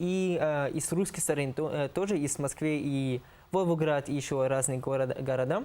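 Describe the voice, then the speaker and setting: This man speaks with a German accent at a fairly high pitch, using ordinary pitch variation at a moderate pace. The recording is very clean, with a silent background. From Germany, Berlin. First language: German (speaking Russian). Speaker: exchange student. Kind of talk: tv interview. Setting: tv studio. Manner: halting, many filler sounds.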